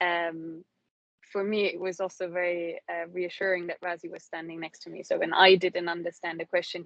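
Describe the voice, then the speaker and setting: A woman with a non-native accent speaks at a moderate pace in a fairly low pitch and a monotone, flat intonation. The sound is dry and close, with no echo. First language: not English. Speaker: startup founder. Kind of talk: workshop discussion. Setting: video call.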